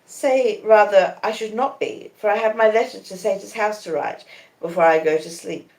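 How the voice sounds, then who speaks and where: A woman's voice: mid-range voice, steady tone, moderate pace, creaky, darkish tone, natural voice. Woman reading as a proud, cool young beauty, echoey. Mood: cool, aloof. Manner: aloof, dismissive.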